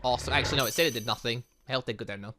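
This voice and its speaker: A gaming video host giving excitable, rambling let's play commentary, often breaking off mid-sentence with mild exasperation. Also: medium pitch, rapid-fire, slight background noise.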